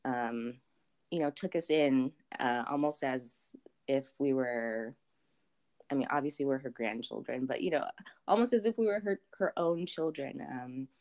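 Young zambian woman, low voice, slow and thoughtful, lots of ums. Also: darkish tone. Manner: thoughtful, many ums and restarts. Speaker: interview guest. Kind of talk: casual interview answers.

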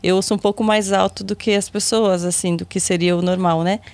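A woman with a Brazilian Portuguese accent, interviewing a guest in a gentle, curious way. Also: medium pitch, steady tone, brisk. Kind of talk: casual interview chat.

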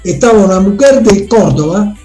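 A man's voice: sits high, expressive, moderate pace, mellow. A man in a casual interview, talking animatedly and mixing languages mid-sentence. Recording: echoey room, faint music.

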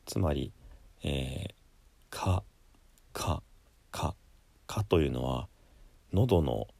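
A Buddhist priest, a man, who chants and then gives a slow, measured spoken lesson with frequent pauses and fillers. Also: extremely low pitch, expressive, vocal fry, dark tone, no echo. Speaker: Buddhist priest teaching pronunciation.

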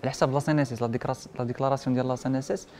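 Young moroccan arabic guy chatting rapid fire, drops french words everywhere, tells stories with quoted bits. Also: medium pitch, steady tone, darkish tone. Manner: mixes French words into his speech. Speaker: interview guest; printing and IT technician. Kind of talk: casual personal storytelling in conversation.

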